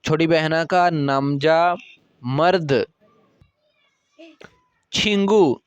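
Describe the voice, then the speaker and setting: In this recorded Korean language lecture, a man with a fairly high, smooth voice goes through the material step by step, often making sure students keep up. There is no room sound.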